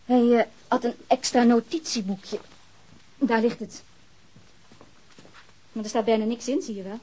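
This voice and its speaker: Bereft young woman, mellow and dark, husky, halting, wistful, radio crime drama. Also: a little high, steady tone. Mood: wistful recollection. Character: grieving, lonely young woman left alone by her partner.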